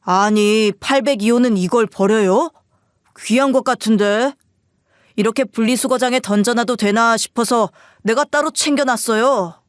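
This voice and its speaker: A woman's voice: on the high side, moderate pace, dry recording, clean studio sound, close to an everyday voice. A woman voicing an older male apartment security guard, puzzled and matter-of-fact, in an audio story.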